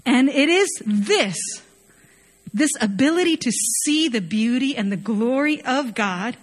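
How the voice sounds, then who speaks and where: Earnest higher-voiced woman preaching. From Chile. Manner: earnest, conversational, frequent "like" fillers. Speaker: worship leader preaching. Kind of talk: sermon.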